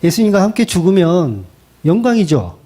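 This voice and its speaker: A male pastor preaching with an animated, colloquial delivery and dramatizing the lines he quotes. His voice sits fairly high and swoops widely in pitch. The tone is mellow rather than bright. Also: normal speed. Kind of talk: sermon.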